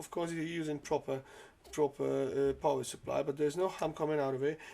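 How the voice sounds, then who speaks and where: A man speaks with a Polish accent. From Poland. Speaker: guitar gear reviewer. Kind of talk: product review. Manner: halting, many repetitions.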